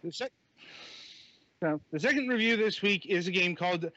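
A man's voice: high-pitched, expressive, moderate pace, pushed and bright, no echo. A man co-hosting a casual game review podcast, talking with many fillers and restarts over a phone microphone. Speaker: podcast co-host reviewing games. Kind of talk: casual chat. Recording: dull lo-fi phone mic.

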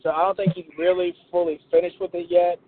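A man's voice: sits high, flat delivery, quick pace. A man chatting casually and supportively, with many "you know" fillers. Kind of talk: casual chat. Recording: tinny phone line with faint noise.

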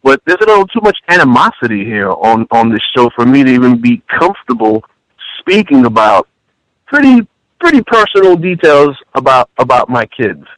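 A man's voice: medium pitch, big pitch swings, normal speed, fairly bright tone, no room sound, low-quality recording. A man born in France, a guest on a call-in radio show, defending himself and restarting his words often.

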